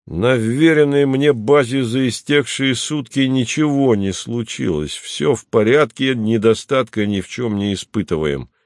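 A man's voice: medium pitch, unhurried, few pauses, darkish tone, no echo, pitched above the performer's own voice, natural voice. A man reading the part of a patient, matter-of-fact base commander with a dry irony, in an audiobook.

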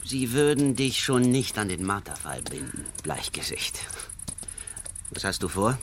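An actor playing a cautious, proud Native American rider in a western radio drama, guarded and terse. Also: male voice, fairly low pitch, very animated, measured pace, slight background noise. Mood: guarded, dry.

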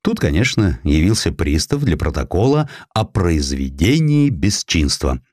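Expressive low-voiced male storyteller, dry sound. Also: unhurried, no echo. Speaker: audiobook narrator. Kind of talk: dramatized scripted narration of a historical sketch.

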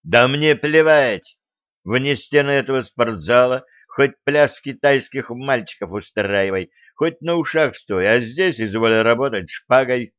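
A man voicing a hot-tempered older male fencing coach who scolds loudly in an audiobook reading. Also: medium pitch, unhurried, few pauses, no room sound, muffled recording, close to an everyday voice. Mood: scolding. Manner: scolding, loud, exasperated.

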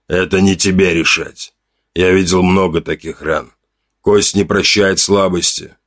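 A man voicing a weary, stern old tribal chief who speaks low and muffled. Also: steady tone, measured pace, a bit bright. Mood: grave.

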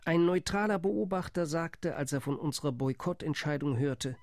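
A man's voice: a little high, moderate pace, darkish tone, dry recording, lightly acted. An actor playing an Arab spokesman in a radio play, arguing in a bitter, aggrieved way.

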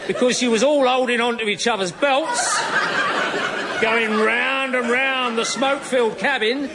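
A man's voice: very high-pitched, measured pace, a loud crowd, very noisy. An actor playing a pompous male safety examiner who gloats over his trainees. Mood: gloating.

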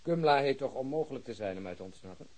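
An actor playing a sceptical police detective with dry, sardonic remarks in a radio play. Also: male voice, medium pitch, animated, fast talker, darkish tone, lightly acted. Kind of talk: Dutch radio drama acting.

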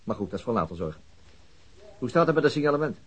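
An actor playing a brisk, sober senior police inspector giving orders in a Dutch radio crime drama. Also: male voice, mid-range voice, sing-song, a bit bright, slightly rough. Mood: brisk, decisive. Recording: dull, muffled radio drama recording.

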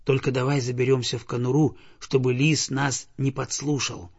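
A man's voice: fairly high pitch, normal speed. A man doing a bold little boy. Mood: earnest. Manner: lively, bold, sometimes hushed. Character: small brave clever boy traveller. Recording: dull lo-fi recording.

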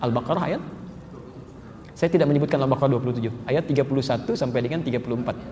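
A man preaching a sermon, telling stories with loud emphatic peaks and dropping soft for prayers. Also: mid-range voice, rapid-fire, a little hiss or hum. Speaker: Islamic preacher. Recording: live talk in a reverberant hall with faint ambience.

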